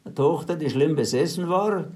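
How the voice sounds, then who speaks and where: Earnest preacher man, a bit high. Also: normal speed, a little mellow. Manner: retells scripture in plain everyday words, earnest. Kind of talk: sermon.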